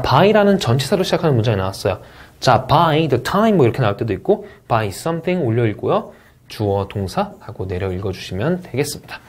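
A man delivers a recorded test-prep English lecture. His pitch swings widely as he talks, and he draws out the English practice words slowly and deliberately. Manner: lively, animated delivery, stretching out English model words slowly.

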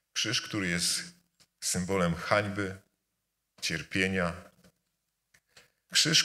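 A man with a fairly low but bright, forceful voice delivers a sermon in a church. He builds his points through repetition, swinging between loud appeals and hushed words. The long reverb of the church hall trails after each phrase. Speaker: preacher. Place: church during a service.

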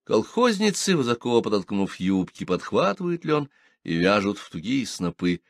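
A man's voice: on the low side, very animated, normal speed, no echo. A man reading a literary story aloud in first person, expressively. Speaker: audiobook reader.

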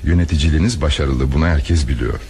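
A man acting a smooth-mannered insurance agent in a crime radio drama. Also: extremely low pitch, fast talker, darkish tone, a little hiss or hum. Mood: formal, probing.

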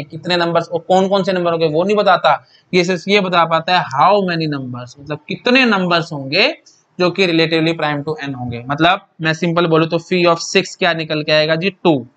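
Indian male tutor, young adult, conversational whiteboard lecture, slightly high-pitched, keeps checking in with "okay". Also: moderate pace, fairly bright tone. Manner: chatty, repeats "thik hai" and "ji", asks and answers his own questions. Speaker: exam-prep lecturer. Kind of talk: Hindi-English mixed whiteboard lecture.

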